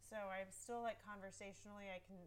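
A woman in her thirties, a writer whose first language is Farsi, tells stories from her childhood in a relaxed interview. She talks in a chatty, animated way and laughs often. A faint hiss sits under the recording. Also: mid-range voice, brisk. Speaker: author guest. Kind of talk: casual interview chat.

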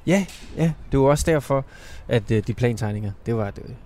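A man's voice: mid-range voice, dark tone, slight background noise. Male guest, plain mid voice, overconfident and matter-of-fact. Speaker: podcast guest. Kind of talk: casual chat.

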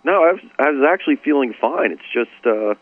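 A hoarse man who has partly lost his voice, a sportsbook director giving measured betting analysis with many "uh" fillers over a phone call. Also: medium pitch, animated, no echo. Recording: tinny phone line.

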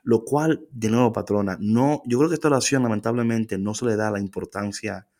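A man co-hosting a casual faith talk, animated and slipping into English phrases. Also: lowish voice, a little fast. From Latino. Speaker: co-host.

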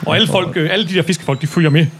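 A man's voice: a little high, a bit bright, slightly rough. A man narrating a tabletop game as game master, hesitant and full of fillers and restarts. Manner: hesitant, many fillers and restarts, laughs often.

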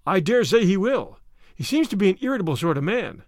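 A man voicing a stern, practical older woman guardian who speaks in a scolding, brisk way. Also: high voice, very animated, dry recording, studio quality.

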